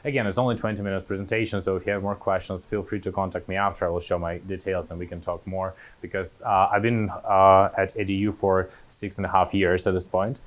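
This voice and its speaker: Lowish-voiced man. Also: flat delivery, fairly quick, few pauses. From Kazakhstan. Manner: hesitant, many fillers and restarts. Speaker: postdoctoral researcher presenting. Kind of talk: academic presentation talk.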